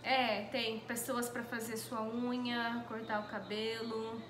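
A woman's voice: a little high, little pitch movement, slow, crowd noise. A young woman with a Brazilian accent, reading out questions in a casual chat, recorded in a living room. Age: young adult. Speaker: interviewer reading viewers' questions. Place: small living room, on a couch. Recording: echoey room with light background noise.

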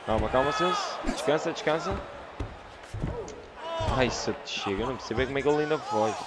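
A man with a European Portuguese accent commentating his own video game fight, excitable, shouting at big hits and throwing in English swear words. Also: medium pitch, fast, heavy background noise. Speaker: gaming YouTuber. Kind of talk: let's-play commentary. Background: game music and fight sounds.

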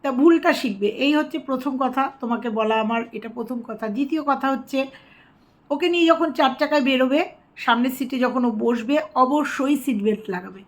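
Woman, high voice, chatty, repeats herself, casual vlog commentary. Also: a little fast. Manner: chatty, repeats points, advice-giving. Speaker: vlogger.

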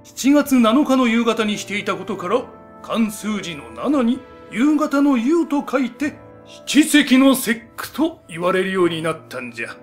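A man's voice: very high-pitched, very animated, unhurried, faint music behind, heavily acted. A man voicing a proud, doting old heavenly emperor who explains things in old-fashioned elder's speech for an educational story. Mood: lordly, explaining. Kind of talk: scripted educational story narration.

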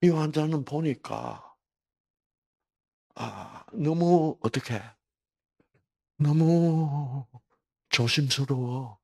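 A man's voice: fairly low pitch, expressive, slow pace, pauses often, husky. A man giving a conversational Bible lecture at a health program. He poses rhetorical questions and addresses listeners by name.

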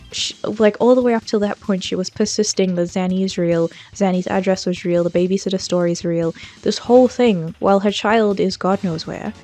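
A woman's voice: mid-range voice, dark tone. A woman giving casual, chatty commentary on a case, with a close voice-over mic. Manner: chatty, frequent "like" fillers. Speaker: true-crime commentary YouTuber.

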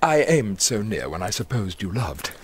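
An actor playing a loyal young cousin, a gently coaxing friend, with a British accent in a Shakespearean radio drama. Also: male voice, on the low side, very animated, moderate pace, a little hiss or hum. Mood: probing.

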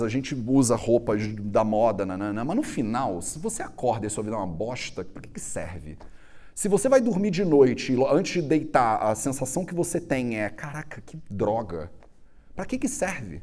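A man, giving a joking, animated public talk on a stage into a handheld microphone. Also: mid-range voice. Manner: animated, joking, gestures a lot. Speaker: Ayurveda speaker giving a talk. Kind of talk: lively informal public talk. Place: stage in a large indoor hall.

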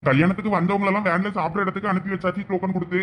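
A woman voicing a polite middle-aged village man, the bride's uncle, with a Thoothukudi Tamil accent, briskly hurrying everyone along. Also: mid-range voice, level tone, a little hiss or hum, pitched below the performer's own voice, lightly acted.

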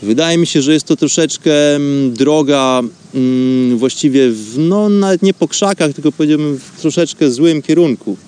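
A man hosting a spiritual radio show, speaking in an informal, reflective monologue with wordy, measured phrasing. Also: on the high side, darkish tone, smooth.

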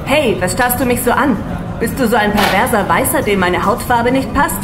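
An actress playing a sassy canteen serving woman in a German audio drama, brisk, direct and sarcastic. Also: on the high side, natural voice. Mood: snappy, sarcastic. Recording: roomy echo. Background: music, clinking dishes and cutlery.

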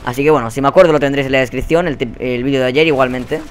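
Excitable Spanish-accented gamer man. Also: medium pitch, rapid-fire, a little hiss or hum. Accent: Spain Spanish. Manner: excitable and profane, bursting into shouts. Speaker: gaming YouTuber. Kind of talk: live gameplay commentary.

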